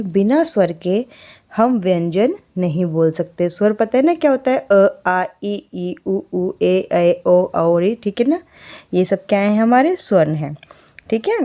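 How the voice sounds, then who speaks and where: A woman teaching a beginner Hindi lesson, patiently repeating key points, asking learners questions and sounding out letters slowly and clearly. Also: medium pitch, mellow. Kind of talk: basic Hindi alphabet lesson.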